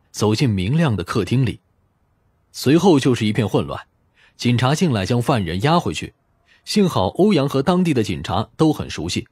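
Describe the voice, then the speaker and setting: Expressive, slightly husky male storyteller. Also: mid-range voice, no echo, studio quality. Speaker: audiobook narrator. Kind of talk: scripted audiobook narration of a crime novel. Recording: music playing behind the voice. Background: background music.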